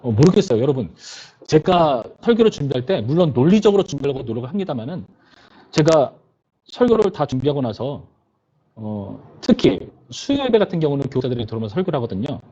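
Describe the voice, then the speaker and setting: Male pastor, youth sermon, quick lively delivery, asks the listeners questions, dull lo-fi recording. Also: medium pitch, slightly rough. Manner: conversational preaching, keeps asking the listeners questions.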